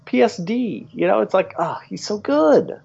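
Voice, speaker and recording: A man's voice: high-pitched, very animated, a little slow, gravelly, a little mellow. A man co-hosting a podcast, chatting casually with wry, dry comebacks. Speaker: podcast co-host. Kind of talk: casual chat. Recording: dull lo-fi sound.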